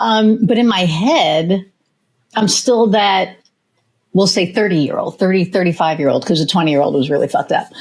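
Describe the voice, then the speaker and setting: The speaker is a woman. Her intonation is lively. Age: 60s. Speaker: podcast host. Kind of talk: casual interview chat.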